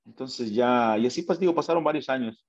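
Man, Mexican accent, animated storyteller, acts out dialogue, fillers and restarts, dull lo-fi audio. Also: mid-range voice, fairly quick. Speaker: guest telling his life story. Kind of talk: casual storytelling interview.

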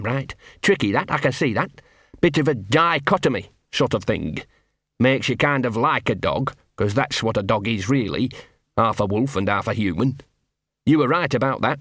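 A male reader puts on the voice of a scruffy little talking dog, nervous and streetwise, pitched slightly up and a bit bright. He wheedles and rambles in circles with cheerfully broken grammar, in dry, close storybook audio with no echo.

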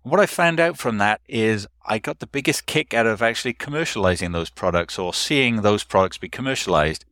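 A Welsh man in his fifties talks through his career as a podcast guest, pausing often on fillers. His voice sits low and resonant. The recording is close and dry, with little room sound. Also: lively intonation, fairly bright tone, no room sound. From South Wales. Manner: hesitant, many fillers. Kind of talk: conversational interview.

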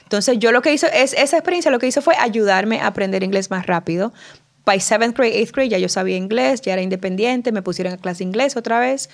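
A woman's voice: fairly high pitch, fast talker. A woman in her forties from the Dominican Republic with a New York Latina accent, chatting casually on a podcast and switching between Spanish and English mid-sentence. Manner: restarts often while searching for words.

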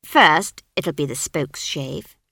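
A woman voicing a stern, sharp-tongued old witch who scolds and commands in clipped phrases. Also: sits low, slow, creaky, slightly rough, no echo, clean studio sound, full character voice. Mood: threatening. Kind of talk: audiobook character voice.

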